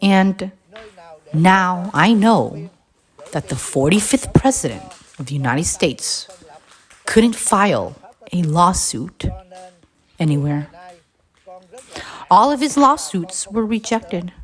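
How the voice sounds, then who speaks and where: Slow, husky woman reading aloud. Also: on the low side, expressive. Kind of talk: scripted read-aloud narration.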